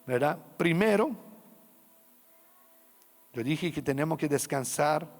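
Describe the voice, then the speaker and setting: A male pastor delivering an impassioned sermon with emphatic lines and dramatic pauses, in a reverberant church hall with faint music behind. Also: a little high, lively intonation.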